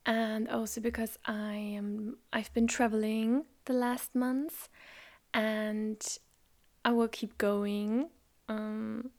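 A woman whose first language is German hosts a spiritual podcast, talking in a soft, slow, reflective way that often drops close to a whisper. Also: fairly high pitch, level tone. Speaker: podcast host. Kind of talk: calm spiritual podcast monologue.

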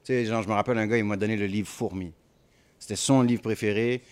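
A man's voice: on the low side, fast, clear, resonant tone. A man with a Haitian-tinged French accent, a rapper telling stories in a casual interview, dropping English phrases. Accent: Haitian French mixed with Quebec French. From Montreal. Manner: animated storytelling, mixes English phrases. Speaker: rapper guest.

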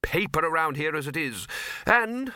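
A man's voice: fairly high pitch, lively intonation, normal speed, pushed and bright, no echo, clean studio sound, pitched above the performer's own voice. A man voicing a bossy, blustering old wizard in a comic fantasy storybook, with blunt, clipped, hectoring delivery. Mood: blunt, brisk. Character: gruff, blustering, bossy old male wizard Arch-Chancellor.

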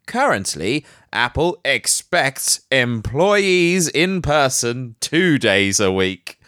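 A man's voice: medium pitch, big pitch swings, slow, fairly bright tone, smooth, no echo, studio quality. A man hosting a casual tech news podcast. He is nasal from hay fever and breaks up the news with joking asides. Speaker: podcast host.

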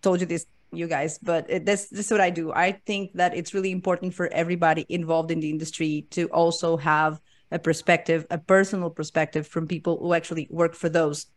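A woman hosts a relaxed podcast interview over a video call. She talks in a chatty, loose way, laughs often and trips over repeated words as she goes. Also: lowish voice, a little fast. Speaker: podcast host. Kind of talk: casual interview chat.

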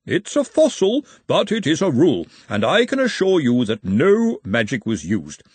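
A man's voice: a little high, wildly swooping pitch, normal speed, husky, no echo, pitched above the performer's own voice, heavily acted. A man voicing a pompous, over-precise male referee in an audiobook. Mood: haughty.

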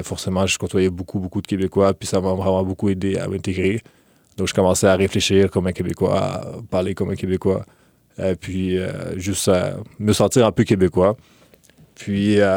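Deep, flat-voiced young man, hesitant. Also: no echo, clean studio sound. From Ukraine. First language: Russian. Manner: hesitant, many fillers and restarts. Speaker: guest. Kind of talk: relaxed interview talk.

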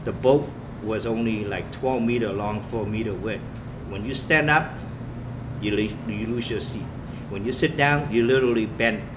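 A man from Vietnam, a police officer telling his story in an interview in earnest, halting short phrases. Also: fairly low pitch. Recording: noisy room with steady background hum.

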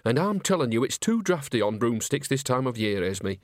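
A man's voice: medium pitch, sing-song, fairly quick, dry recording, clean studio sound, close to an everyday voice. Man putting on a chatty, bickering old village woman. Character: chatty, cosy old village witch, airily defensive.

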